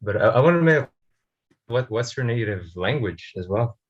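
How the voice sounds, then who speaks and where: A man's voice: mid-range voice, lively intonation, normal speed, breathy edge. A man chatting on a video call in a friendly, interested way, repeating words now and then as he starts a thought. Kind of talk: casual video call chat. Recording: dull lo-fi call audio.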